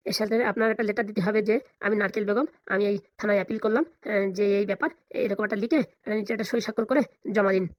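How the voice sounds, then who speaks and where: A woman's voice: medium pitch, steady tone, very fast, dry recording, lightly acted. A woman voicing a deferential, flustered police officer in a comedy cartoon, hesitant and placating.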